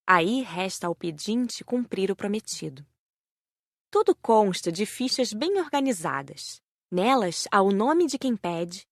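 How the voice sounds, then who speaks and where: A woman's voice: medium pitch, no echo. Woman narrating an audiobook, very dry sound. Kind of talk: scripted first-person narration of a spiritist story.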